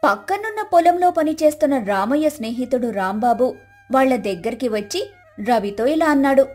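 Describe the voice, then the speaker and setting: A woman's voice: sits high, lively intonation, moderate pace, darkish tone, soft background music. A woman reading scripted narration of a moral story as the storyteller.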